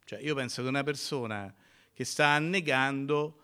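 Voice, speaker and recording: A male pastor preaching a sermon in a church, emphatic, swinging from loud cries to near whispers. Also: medium pitch, normal speed, smooth.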